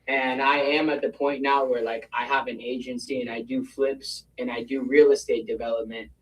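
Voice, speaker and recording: A man's voice: medium pitch, flat delivery, moderate pace, distant mic, poor audio. Man telling a story, set back from the mic. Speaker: guest, real estate investor.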